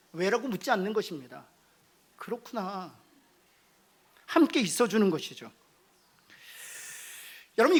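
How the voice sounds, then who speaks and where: A man's voice: extremely high pitch, a bit bright. A male pastor preaching a sermon, engaging the congregation with questions and calls to respond.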